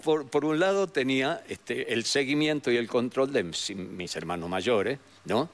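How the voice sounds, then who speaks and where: An older man with a northwestern Argentine accent, telling memories as an interview guest in a rambling, halting way with frequent tag questions. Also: medium pitch, lively intonation. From San Salvador de Jujuy, Argentina. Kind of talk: reminiscing in a conversational interview. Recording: noticeable background noise.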